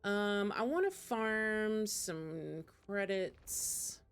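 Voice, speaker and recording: A woman's voice: mid-range voice, drawn-out words, smooth. A woman livestreaming video games, chatting casually and poking fun at herself. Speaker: game livestreamer. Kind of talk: casual gaming stream chat. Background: game music.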